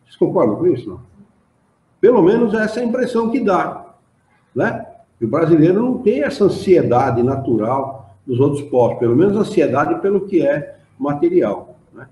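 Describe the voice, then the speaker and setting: A man's voice: a little high, sing-song, normal speed, warm tone. A man with a Brazilian Portuguese accent leading an informal study group in an association's hall, chatting animatedly and reading passages aloud. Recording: dull echoey room recording.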